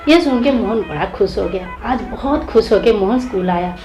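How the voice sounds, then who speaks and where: A woman's voice: mid-range voice, expressive, moderate pace, over music, low-quality recording. A woman telling a devotional story in a simple, homely way.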